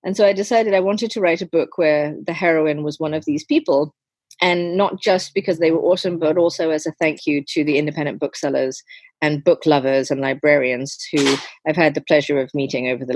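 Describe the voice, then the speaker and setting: A woman in her fifties from England, speaking as an author guest with dry, self-mocking wit. Her voice is a little low and sounds close and dry, without any room echo. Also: fairly quick, a little mellow. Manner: wry, self-deprecating humor. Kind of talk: casual interview chat.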